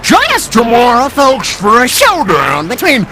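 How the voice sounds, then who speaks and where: A man voicing a vain, easily flustered race car who hosts a sports show in a game cutscene, pompous and showy, through a pitch-shifting voice changer. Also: wildly swooping pitch, measured pace, background noise, full character voice. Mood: smug, showy. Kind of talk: animated game cutscene acting, TV presenting.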